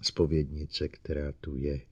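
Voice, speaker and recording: A man's voice: a bass voice, level tone, warm tone, slightly rough, no echo, muffled recording, pitched below the performer's own voice. A man voicing a friendly, somewhat shy young male engineer who talks eagerly and confides. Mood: chatty.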